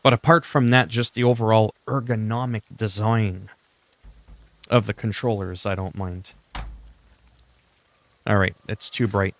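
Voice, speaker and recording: Playing on a livestream, this man, whose first language is French, talks casually and opinionatedly with his chat. He speaks at a measured pace with fairly even intonation and long pauses, his voice sitting on the low side.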